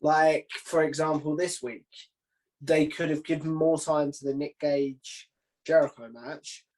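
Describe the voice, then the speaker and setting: A man's voice: a little high, steady tone, a little slow, darkish tone, low-quality recording. A man hosting a casual podcast interview, chatting informally, offering his opinions and thinking aloud as he goes.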